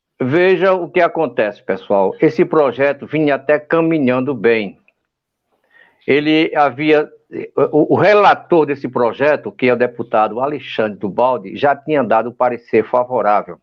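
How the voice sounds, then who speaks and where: Speaking at a fairly slow pace, a man with a fairly high pitch uses lively intonation. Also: very even loudness. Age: 60s. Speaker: professor and pension rights commentator. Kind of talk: political commentary on online show. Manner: animated.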